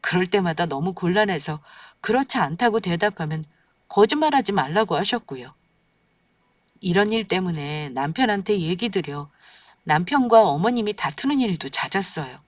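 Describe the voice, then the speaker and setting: A woman narrates a scripted first-person story with lively, varied intonation at a medium pitch. The sound is dry, with the microphone slightly distant. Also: normal speed, no echo.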